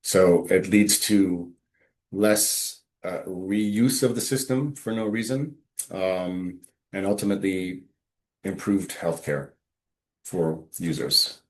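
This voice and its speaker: Deep low guy doing a webinar talk over a video call, steady, lots of ums. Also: a little hiss or hum, rough recording. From Quebec. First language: English. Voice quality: deep, measured, with frequent ums. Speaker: webinar presenter, patient navigation coordinator. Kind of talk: presentation with slides.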